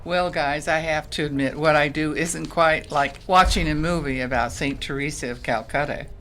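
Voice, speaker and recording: An actress playing a kindly, patient Catholic sister in an audio drama, explaining things gently. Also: female voice, deep voice, fairly even intonation, moderate pace, a little hiss or hum.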